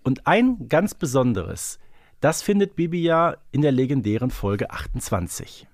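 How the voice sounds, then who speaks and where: A man's voice: mid-range voice, big pitch swings, normal speed. A man co-hosting a podcast, explaining things casually and reflectively, with some hesitation. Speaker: podcast co-host. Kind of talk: casual, knowledgeable fan discussion.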